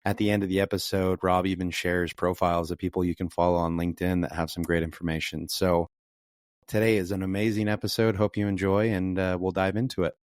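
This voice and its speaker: A man hosting a podcast interview in an upbeat, enthusiastic way, heard through a low-quality earbud microphone. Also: level tone, brisk. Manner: upbeat, enthusiastic, repeats praise. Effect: low-quality earbud mic audio. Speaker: podcast host. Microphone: wireless earbuds mic. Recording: thin, distant earbud-mic recording.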